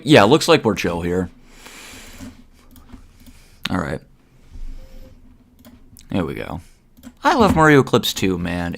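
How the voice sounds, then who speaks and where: A man's voice: low voice, gravelly, a bit bright. A young man chatting casually to his stream while gaming, rambling and restarting his sentences. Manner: rambling, halting, with repeated restarts.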